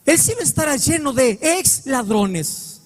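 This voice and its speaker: A pastor preaches a sermon with impassioned, sing-song delivery, swinging from high sung cries to low, drawn-out words. The recording carries the long reverb of a church hall.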